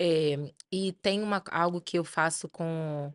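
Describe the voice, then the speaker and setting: A woman speaks in a strong Carioca accent at a fairly low pitch, with ordinary pitch variation. The sound is dry and close with no echo, over a quiet background. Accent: carioca Portuguese, still strong. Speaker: educator and anti-racism consultant. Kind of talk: interview conversation.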